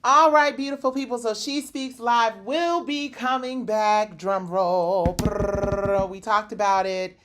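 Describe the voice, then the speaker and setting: A woman's voice: mid-range voice, slow, fairly bright tone, faint music behind. A woman host speaking straight to her viewers in an upbeat, chatty wrap-up that promotes her shows. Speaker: show host and producer.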